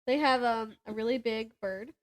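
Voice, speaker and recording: At a moderate pace and fairly high pitch, she joins in casual banter as a book podcast co-host. Stories come out informal and slangy, with animated impressions of what others said.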